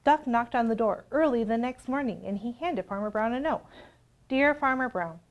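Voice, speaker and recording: A woman reading a children's picture book aloud, expressive, with singsong sound effects. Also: fairly high pitch, a little fast, muffled recording. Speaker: storyteller. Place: public access TV studio.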